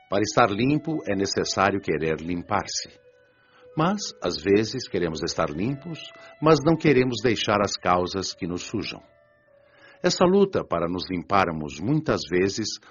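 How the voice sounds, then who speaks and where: A man playing a patient, earnest father who teaches like a preacher in a radio drama, didactic and solemn. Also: fairly low pitch. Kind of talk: audiobook radio drama, sermon-like lecture. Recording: dull lo-fi audio with music behind. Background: music.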